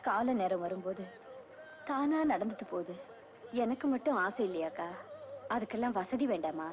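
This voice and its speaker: An actress playing a weary, middle-aged village mother who speaks quietly and with resignation, with a Tamil accent. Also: mid-range voice, animated, moderate pace, a crowd in the background, natural voice. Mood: resigned. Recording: dull old film soundtrack.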